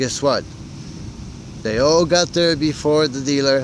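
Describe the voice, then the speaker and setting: A man speaks over noticeable background noise. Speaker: vlogger giving life advice. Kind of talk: casual vlog monologue. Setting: outdoors by the sea. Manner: repetitive, conversational.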